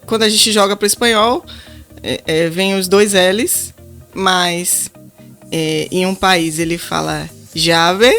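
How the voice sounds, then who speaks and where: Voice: medium pitch, fairly even intonation, slow pace, gravelly, pushed and bright, clear, resonant tone, soft background music. A Brazilian guest on a podcast, explaining differences between languages at length in a casual, patient way. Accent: Brazilian Portuguese. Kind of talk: casual chat.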